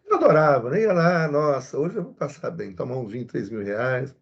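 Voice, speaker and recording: A man's voice: mid-range voice, lively intonation, moderate pace. A Brazilian man giving a casual lecture, chatting and telling a story with many asides. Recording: husky voice, dull lo-fi sound.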